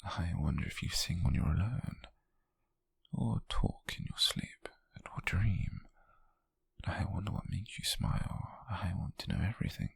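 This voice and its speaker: A possessive, softly menacing wealthy British captor, acted by a man for an ASMR roleplay. His low voice is heavily fried and breathy, often dropping toward a whisper. He speaks slowly and coaxingly, with long pauses, close and dry on the microphone. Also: expressive, no room sound, heavily acted. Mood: possessive, tender menace. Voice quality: breathy, husky, gravelly murmur. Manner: slow, deliberate, coaxing, lingering pauses.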